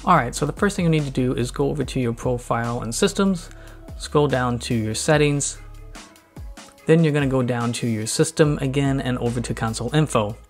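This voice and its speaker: A man's voice: mid-range voice, brisk. A man giving plain, step-by-step instructions as a voice-over for a screen recording. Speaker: tutorial narrator. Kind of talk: screen-capture voice-over walkthrough. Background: faint background music.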